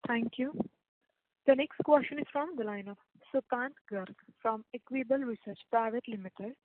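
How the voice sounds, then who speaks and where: A woman's voice: a little high, moderate pace, no room sound. A woman working as a conference call operator, making scripted announcements over a phone line. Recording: dry, tinny narrowband phone line.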